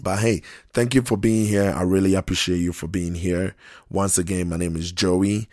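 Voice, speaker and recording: A man with a very low voice hosts his podcast while a little hoarse from losing his voice. He talks in an easygoing, rambling way, circling back and restarting his phrases. The sound is dry and close, with no room echo. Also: steady tone, warm tone. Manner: unhurried and conversational, repeats and restarts phrases. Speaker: podcast host. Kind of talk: casual solo podcast talk.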